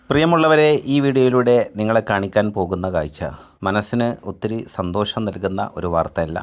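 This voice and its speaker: This man has a plain, everyday voice, pitched fairly low, with lively intonation. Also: very clean recording, silent background. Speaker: village vlogger. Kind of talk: documentary-style vlog narration to camera.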